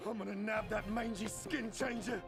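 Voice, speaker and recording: A man's voice: high-pitched, fairly even intonation, normal speed, gravelly, over loud music. A man in an anime dub voicing a brash, hot-headed servant. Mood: brash alarm.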